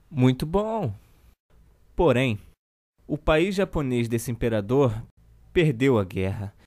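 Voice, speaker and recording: A man with a Brazilian accent playing a children's TV uncle who reads a storybook slowly and deliberately to children. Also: mid-range voice, a little mellow, no room sound, close to an everyday voice. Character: children's TV show host uncle reading a satirical storybook. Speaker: storyteller host of a kids' show.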